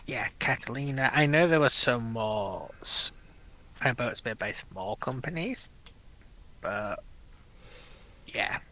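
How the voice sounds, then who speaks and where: A man's voice: medium pitch, animated, slow, long pauses, bright, forceful tone, low-quality recording. A man chatting casually as a co-host on a live talk. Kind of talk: casual chat.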